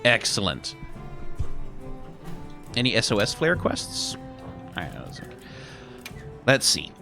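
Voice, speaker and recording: A streamer playing a video game offers casual commentary over music, musing aloud and trailing off as he reads on-screen text. His mid-range voice is gravelly and slow, with huge swings in pitch.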